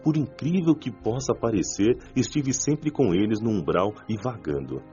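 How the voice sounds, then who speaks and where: A man playing a deep-voiced repentant spirit. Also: animated, normal speed, warm tone, highs cut off, soft background music, lightly acted. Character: former smoker spirit man recalling his suffering. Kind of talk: radio drama acting.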